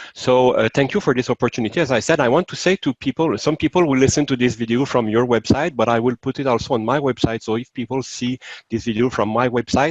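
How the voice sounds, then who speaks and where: Someone with a French accent speaks at a very fast pace with hardly any pauses and ordinary pitch variation. The sound is dry with no echo, over a quiet background. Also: man, medium pitch for a man. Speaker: software developer; software developer in an interview. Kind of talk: casual interview and software demo. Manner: halting, searching for words. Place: home room. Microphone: webcam.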